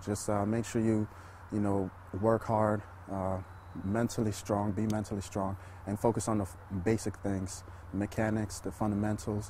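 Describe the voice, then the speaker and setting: With an American accent, a man speaks in a fairly low, flat monotone. His pace is moderate, broken by long, frequent pauses. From Connecticut, Bridgeport. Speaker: football player. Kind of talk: interview. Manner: halting.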